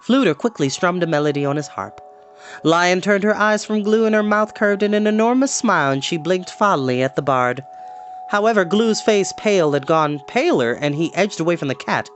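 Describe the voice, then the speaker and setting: A man reading a storybook aloud as an expressive narrator. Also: sits high, moderate pace, soft background music. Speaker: storyteller, host.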